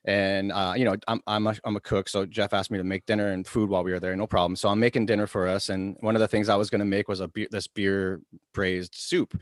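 Lowish voiced guy on a podcast telling a story all animated, dry close mic. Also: fast talker, no room sound. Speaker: podcast co-host. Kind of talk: casual chat, storytelling.

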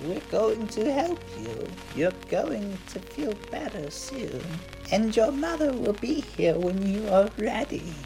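Woman as soothing nun, slow and lilting, slight fry, over music. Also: medium pitch, big pitch swings, heavily acted, rough recording. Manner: slow, soothing, gently persuasive. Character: calm, coaxing nun caring for a child. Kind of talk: horror audio drama reading. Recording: music playing underneath.

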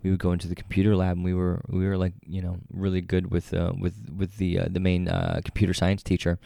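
A man hosting a podcast in casual chat, halting often with fillers and restarts. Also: low voice, completely flat delivery, creaky, mellow, no echo, studio quality. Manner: hesitant, many fillers and restarts. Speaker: podcast host.

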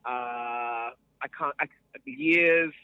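A man's voice: mid-range voice, extremely slow, clear, resonant tone, no echo, narrow, tinny audio. A man with a transatlantic accent chats casually as an interview guest, playfully self-assured and full of anecdote. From born in New York, grew up across Europe and Sierra Leone. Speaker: celebrity wardrobe stylist, interview guest.

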